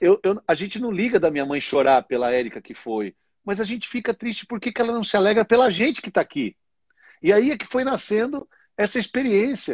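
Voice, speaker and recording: Talking at a fairly quick pace, a man with a high pitch makes very wide pitch swings. The sound is dry and close with no echo, over a quiet background. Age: 40s. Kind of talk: faith talk in a live stream interview. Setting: online live stream.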